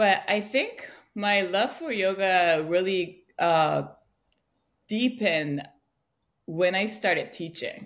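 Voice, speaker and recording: Very slow and full of long, frequent pauses, this voice with a Japanese accent shows ordinary pitch variation in a very clean recording with a silent background. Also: woman. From Japan (Tokyo). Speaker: yoga studio founder. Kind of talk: interview conversation. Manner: halting, many fillers.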